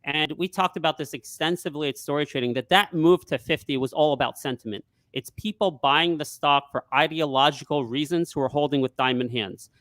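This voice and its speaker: A man who works as a stock trader, talking casually in a live market discussion and pitching his view with confident emphasis. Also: a little fast, hardly any pauses, a bit bright, dry recording.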